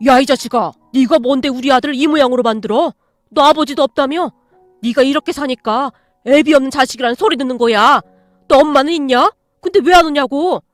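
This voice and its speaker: A woman voicing a rude, bullying middle-aged father who shouts insults, in a radio story reading. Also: sits high, fairly quick, dry recording, soft background music, close to an everyday voice. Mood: furious scornful.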